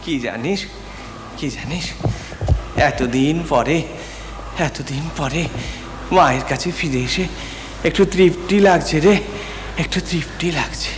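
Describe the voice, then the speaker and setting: A man's voice: extremely high pitch, lively intonation, normal speed. An actor playing a devout, childlike temple priest who talks tenderly to the goddess and repeats his words. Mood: fond, weary. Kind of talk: TV period drama acting. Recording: roomy hall reverb, faint hiss.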